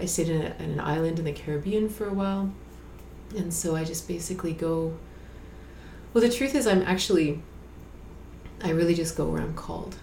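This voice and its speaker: With audible room echo, a woman speaks at a fairly quick pace and a fairly low pitch, with ordinary pitch variation and long, frequent pauses. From Canada, Toronto. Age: 50s. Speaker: tantra teacher. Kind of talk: casual chat.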